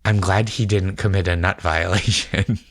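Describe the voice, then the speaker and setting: A man's voice: deep voice, steady tone, normal speed, dry recording, clean studio sound. A man co-hosting a podcast in casual chat, encouraging and playfully curious. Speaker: podcast co-host and listener.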